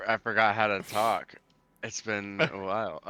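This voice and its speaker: Putting on a raspy character voice, a man speaks at a moderate pace with a fairly low pitch and flat, monotone intonation. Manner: rusty, hesitant.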